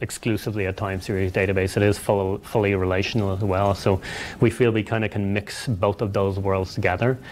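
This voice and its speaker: In a Dublin accent, a man talks fairly quickly with monotone, flat intonation over light background noise. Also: fairly low pitch for a man. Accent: Irish (Dublin). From Ireland. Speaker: software engineer; speaker. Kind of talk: lecture. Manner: loud.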